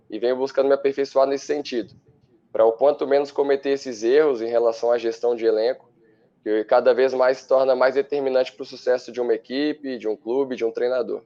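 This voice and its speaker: Articulate man, slightly gravelly. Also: mid-range voice, mellow, dull audio. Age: 30s. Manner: articulate, fluent, measured explanations. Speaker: women's football coach, studio guest. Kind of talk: studio interview.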